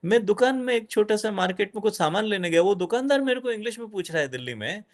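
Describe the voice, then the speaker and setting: A middle-aged man giving an animated lecture to an audience as a guest speaker, dropping in English phrases. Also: high voice, quick pace.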